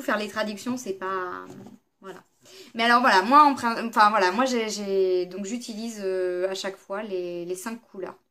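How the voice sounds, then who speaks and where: A woman's voice: medium pitch, a bit bright. A woman vlogger chatting casually through a makeup palette review, hesitant and full of fillers. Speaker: beauty vlogger.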